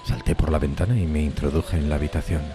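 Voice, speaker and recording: A man's voice: extremely low pitch, steady tone, fast, loud music behind the voice. A man playing a lonely, horrified undead outcast who tells his tale in a solemn, anguished, theatrical horror audiodrama style, drawing out emphatic words. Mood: uneasy, solemn. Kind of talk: dramatic gothic horror audiodrama narration.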